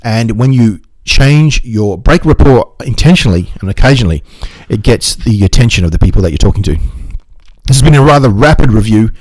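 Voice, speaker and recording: A man hosts a book review channel, talking earnestly to the camera in a fairly low, darkish voice with lively intonation. He's quick and often restarts his sentences in this casual talk. The recording is rough, with no room sound.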